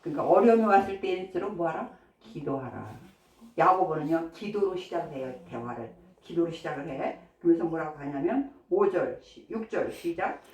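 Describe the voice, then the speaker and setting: A woman's voice: deep voice, animated, moderate pace, crowd noise. A woman pastor giving a sermon in a chatty way, often asking the congregation questions. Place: church sanctuary. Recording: echoey church hall from far off.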